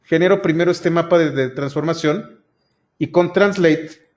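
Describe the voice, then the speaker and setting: Guy walking students through code step by step, bit high voice, dull lo-fi sound. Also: moderate pace. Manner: explains step by step, addresses students directly. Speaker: programming instructor. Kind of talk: screen-recorded coding lesson.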